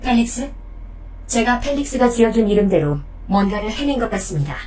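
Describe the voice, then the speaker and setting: A woman playing a polite, protective robot companion in an audio drama, speaking in a formal, measured, matter-of-fact way. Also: a little high, very animated, warm tone, a little hiss or hum. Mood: quietly proud. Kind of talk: Korean audio drama acting.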